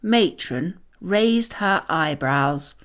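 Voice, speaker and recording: Lady storyteller for kids books, very animated, slow and dramatic. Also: fairly low pitch. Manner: dramatic, expressive. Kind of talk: scripted children's story narration.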